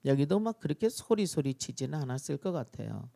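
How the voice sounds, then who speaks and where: A male pastor preaching a dawn-prayer sermon, telling the story in an animated way and acting out scenes. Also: a little high, brisk, gravelly.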